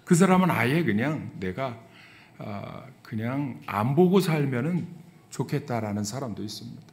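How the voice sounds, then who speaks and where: A middle-aged man, a pastor, preaching a sermon and telling a story, his voice swinging from soft to loud. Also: mid-range voice, animated, moderate pace.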